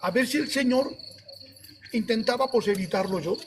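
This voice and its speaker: A man from giving a lively preaching testimony, acting out his own pleas as he tells the story. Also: very high-pitched, normal speed, noisy background. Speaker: church brother giving testimony.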